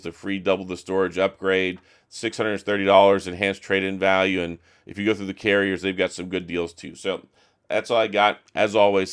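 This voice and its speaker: A middle-aged man talks straight to camera in a loose, opinionated way, often restarting his sentences. His voice is hoarse and worn from days of talking. It sits a little low. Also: fairly bright tone. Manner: chatty, opinionated, frequent restarts. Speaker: tech reviewer. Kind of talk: casual talk to camera.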